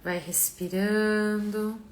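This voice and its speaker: A woman's voice: mid-range voice, fairly even intonation, slight background noise. Soothing Brazilian woman guiding relaxation, echoey room. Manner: slow, soothing, gentle, with long pauses. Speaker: mentor and therapist leading a live session. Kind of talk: guided relaxation and visualization.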